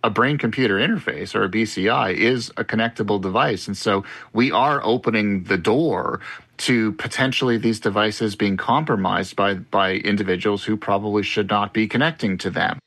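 A man explaining cybersecurity risks in a measured, explanatory way. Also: on the low side, fairly bright tone, breathy edge, dry recording. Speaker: tech commentator. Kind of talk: explaining in an interview clip.

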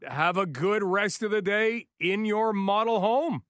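A man's voice: high voice, a little slow, fairly bright tone, no echo, studio quality. Upbeat male radio host. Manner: upbeat encouraging interviewer. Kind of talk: radio interview.

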